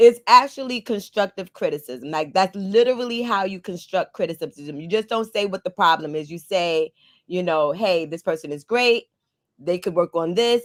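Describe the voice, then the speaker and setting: A woman speaks at a moderate pace with a New York accent. The sound is dry and close, with no echo. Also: medium pitch for a woman, lively intonation. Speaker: caller. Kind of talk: call-in show talk.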